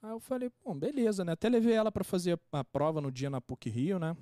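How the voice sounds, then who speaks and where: Young rio guy telling a funny story, talks quick, lots of slang, acts out what people said. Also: high voice, dry recording, clean studio sound. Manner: slangy, animated, acts out quotes. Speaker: podcast guest. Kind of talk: casual anecdote storytelling.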